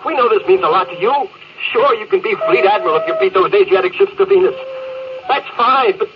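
Anxious spaceman, higher voice, noisy radio. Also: expressive, a little fast. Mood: heated, pleading. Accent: American. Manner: earnest, protesting. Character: anxious, outspoken male spaceship crewmen. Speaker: actor in a radio drama. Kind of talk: 1950s American radio acting. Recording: noisy, muffled old radio transcription.

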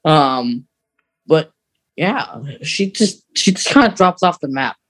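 A male podcast host speaks in a fairly high register. He talks casually, feeling his way through explanations in a conversational, halting manner. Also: expressive, fairly bright tone. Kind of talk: casual chat discussing a story.

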